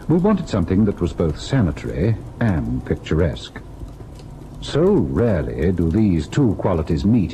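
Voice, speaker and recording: An actor playing a gentle, anxious young husband and painter in an old-time radio drama. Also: male voice, deep voice. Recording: faintly noisy old radio recording.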